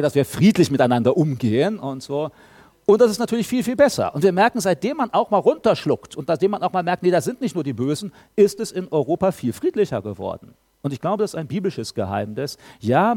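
Man, middle-aged, sermon, emphatic preaching, raised pitch, very animated intonation. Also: fast talker. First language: German speaker married to a Frenchwoman. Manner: lively, emphatic preaching with rhetorical questions.

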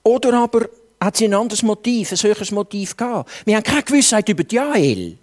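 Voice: medium pitch, big pitch swings, brisk. A preacher with a Swiss German accent, delivering a sermon with earnest rhetorical questions addressed straight to the listeners.

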